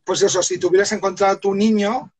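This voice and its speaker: Chatty high-voiced man. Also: fairly even intonation, quick pace, a little mellow, breathy edge, poor audio. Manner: chatty and rambling, many fillers and restarts. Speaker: host of a live stream. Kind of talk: casual chat.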